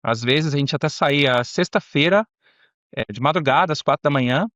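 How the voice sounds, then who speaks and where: A man's voice: on the high side, normal speed, a bit bright, no room sound. A Brazilian man with a São Paulo accent hosting a podcast interview in an informal, slangy, conversational way. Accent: Brazilian Portuguese, São Paulo. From Brazil, São Paulo state. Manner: informal, peppers talk with slang.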